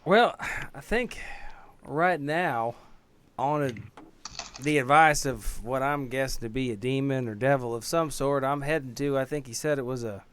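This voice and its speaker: Wry, folksy man improvising role-play, mid-pitched. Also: measured pace, a bit bright, slight background noise. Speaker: tabletop game player on a podcast.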